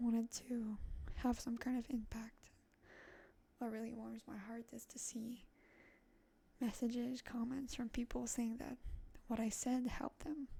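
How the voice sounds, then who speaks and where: Soft-spoken and relaxed in tone, a woman with a high pitch and a dark, mellow tone talks in a monotone, flat way with long, frequent pauses. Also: fairly slow pace. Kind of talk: ASMR rambling chat, casual talk to camera. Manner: soft-spoken, relaxed.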